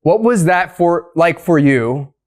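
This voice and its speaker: A man's voice: fairly high pitch, lively intonation, takes it slowly. Curious American man hosting. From United States. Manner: curious, rambling, many restarts. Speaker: talk show host. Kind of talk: casual interview chat.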